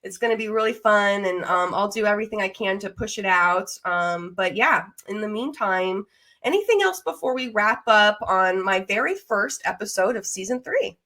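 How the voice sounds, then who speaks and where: A woman's voice: medium pitch, normal speed, bright, forceful tone. A woman, apparently in her thirties, hosting a casual conversational interview in an affirming, enthusiastic, informal way. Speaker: podcast host.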